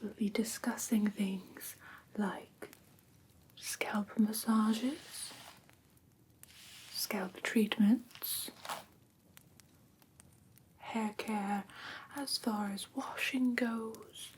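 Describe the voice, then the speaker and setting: A woman playing a prim, patient vampire teacher in a whispered ASMR roleplay, speaking softly and breathily with formal, careful instruction. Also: medium pitch, steady tone, extremely slow, pauses often. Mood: gentle, instructive. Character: prim, patient female vampire teacher of human pet care.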